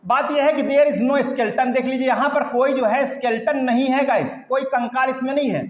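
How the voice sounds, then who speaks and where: A man teaching biology in a classroom lecture, mixing Hindi with English terms, asking and answering his own questions and repeating key points slowly. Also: extremely high pitch, fairly even intonation. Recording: echoey room with long reverb.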